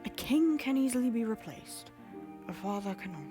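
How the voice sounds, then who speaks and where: A woman's voice: a little high, animated, moderate pace, music in the background, natural voice. A woman acting in an audio drama as an anxious, earnest young royal lord, with a dramatic, emotional delivery. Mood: solemn, earnest.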